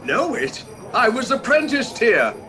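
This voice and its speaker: A man's voice: very high-pitched, wildly swooping pitch, measured pace, music in the background, full character voice. Man playing an emotional, swooping old miser. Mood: delighted nostalgia. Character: Scrooge, miserly old man softened by memories. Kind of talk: dramatic radio play acting.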